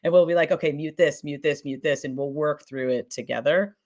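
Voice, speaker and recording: A woman's voice: low voice, a little fast, darkish tone. A woman speaking as a podcast producer in an informal panel discussion, enthusiastic, affirming and emphatic.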